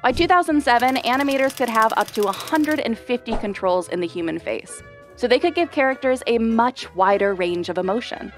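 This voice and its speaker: A woman narrates an explainer. Her scripted delivery is clear and measured. Faint music plays underneath. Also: a little high, animated.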